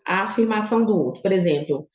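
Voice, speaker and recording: A middle-aged woman sharing a personal Christian testimony in an emotional manner, moving from quiet, low reflection to high, animated bursts. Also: fast talker, echoey room, low-quality recording. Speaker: children's book author.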